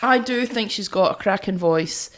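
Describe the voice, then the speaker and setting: A woman's voice: mid-range voice, normal speed, noisy background. A woman co-hosting a music review podcast in casual chat, thinking aloud as she weighs her opinions. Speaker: podcast co-host reviewing albums.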